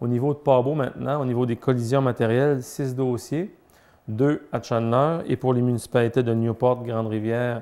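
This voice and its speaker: At a moderate pace, a man with a dark, mellow tone speaks at medium pitch with fairly even intonation. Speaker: police officer; police spokesperson. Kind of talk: police report. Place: office. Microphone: lapel.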